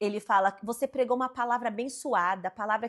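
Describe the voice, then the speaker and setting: Using an ordinary speaking voice, a woman speaks at a fairly high pitch with fairly even intonation. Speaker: missionary preacher. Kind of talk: casual interview chat.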